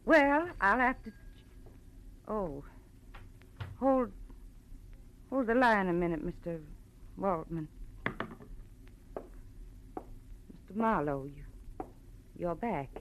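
Sweet older shopkeeper mother, polite, fluttery, quietly brave, mid pitch, muffled vintage radio drama. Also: expressive, takes it slowly, long pauses, slight background noise. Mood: flustered, polite, then anxious, shaken. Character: sweet, brave, gray-haired mother running a gift shop. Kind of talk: 1940s radio drama acting.

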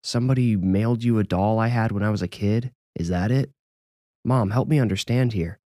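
Deep-voiced impatient grown son , voiced by a man. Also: normal speed, dark tone, dry recording, clean studio sound, lightly acted. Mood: exasperated. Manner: firm, dismissive, questioning. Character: impatient, busy grown son, rational and exasperated. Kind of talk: audiobook character dialogue.

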